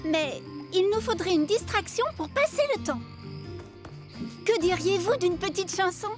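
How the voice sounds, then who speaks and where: A woman's voice: extremely high pitch, animated, measured pace. A woman voicing a sensible, upbeat little girl in a French cartoon dub, reassuring and practical. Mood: calm. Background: music.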